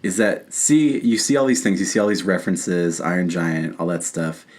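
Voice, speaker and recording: A man's voice: low-pitched, fairly even intonation, moderate pace. A man co-hosting a podcast, talking through films in a casual but analytical, explanatory way. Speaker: podcast co-host. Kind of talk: casual film discussion.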